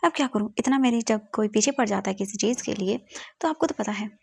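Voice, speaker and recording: A woman's voice: mid-range voice, fast, gravelly, a little mellow, husky, no echo. A woman voicing a playful, teasing young man who pleads with his mother, in a storytelling reading. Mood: pleading.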